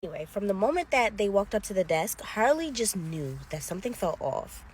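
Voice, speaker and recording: A woman's voice: mid-range voice, very animated, a little fast. A woman spins scary stories in a loose, gossipy story-time style and talks to her viewers as if they were close friends. Her voice sits in a middle register. A faint hiss runs underneath. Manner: chatty, talks straight to viewers as "bestie". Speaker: social media storyteller.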